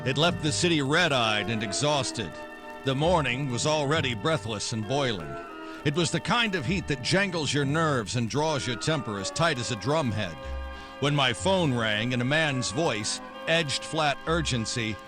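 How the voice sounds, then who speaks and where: A man's voice: medium pitch, close to an everyday voice. Hard-boiled radio gumshoe, male actor, middle register, dry and cynical, music underneath. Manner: terse, wry, dry. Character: world-weary hard-boiled male private detective. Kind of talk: 1940s noir radio drama narration and dialogue.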